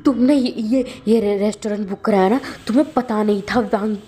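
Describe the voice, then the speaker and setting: A woman voicing a hot-tempered young male boss who complains in an agitated, rushed way. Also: medium pitch, warm tone, a little hiss or hum, close to an everyday voice. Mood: angry.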